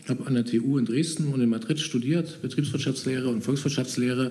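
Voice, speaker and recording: A man speaks at a medium pitch with a slight Saxon accent. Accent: barely noticeable Saxon. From Saxony, Germany (near Bautzen). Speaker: IT company CEO. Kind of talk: interview.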